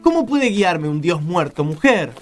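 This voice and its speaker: A man's voice: high-pitched, very animated, a little slow. A man playing a skeptical, wry caravan leader in a radio play. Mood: incredulous. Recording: music under the voice.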